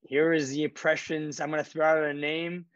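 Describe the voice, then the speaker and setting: Podcast host, keen and chatty, with a dull, dry sound. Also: male voice, a little high, level tone, moderate pace, no room sound. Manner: eager, short interjections. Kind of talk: casual interview chat.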